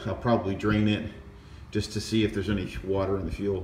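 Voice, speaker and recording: A man talks at a moderate pace with a fairly low pitch. Light background noise and audible room echo are present. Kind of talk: tutorial. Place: garage. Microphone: phone near.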